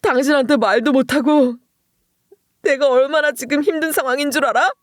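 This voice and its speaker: A woman voicing a drunk young husband who sobs out slow, aggrieved complaints in a story narration. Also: mid-range voice, a little mellow, no echo, studio quality, lightly acted. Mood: tearful, aggrieved.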